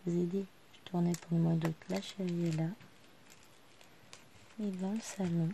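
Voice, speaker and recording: A vlogger in her thirties works on a craft in her living room, chatting quietly to the camera. Her lowish voice has little pitch movement, normal speed and some vocal fry, with slight background noise.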